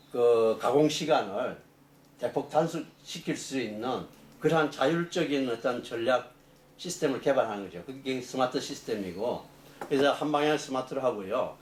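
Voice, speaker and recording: A man's voice: mid-range voice, reverberant, slight background noise. Middle-aged man rambling through technical answers. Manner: rambling explanations with many fillers and restarts. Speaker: engineering professor. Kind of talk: interview answers.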